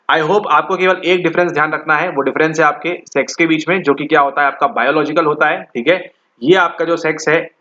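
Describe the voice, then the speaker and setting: Man lecturing, higher voice, dull sound. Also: fairly bright tone. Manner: explanatory, repeats "ठीक है?" to check understanding. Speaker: teacher. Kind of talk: exam-prep lecture.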